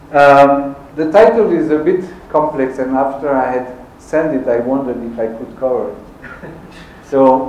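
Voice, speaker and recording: A man with a French accent, fairly high pitch, ordinary pitch variation and a fairly slow pace, amid audible room echo and noticeable background noise. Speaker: agronomy researcher. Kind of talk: seminar talk. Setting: auditorium with audience. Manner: informal, conversational.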